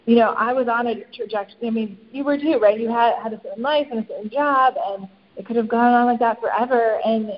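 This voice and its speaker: A woman's voice: on the high side, fast talker. A woman coach and author as a podcast guest, speaking reflectively with frequent ums and likes. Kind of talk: casual interview chat. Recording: slightly dull lo-fi podcast audio.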